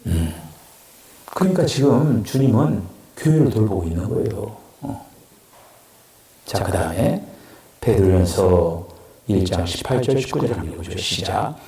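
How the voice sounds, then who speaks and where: A man preaching a sermon in Korean, acting out quoted voices and swinging between loud and murmured lines. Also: on the low side, lively intonation, normal speed, vocal fry, long pauses. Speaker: pastor. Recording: echoey room from far off.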